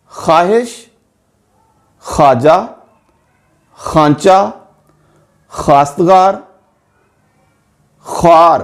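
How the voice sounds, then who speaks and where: A man teaching a grammar lesson to students, speaking slowly and carefully and repeating example words to show the right pronunciation. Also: high voice, a little mellow.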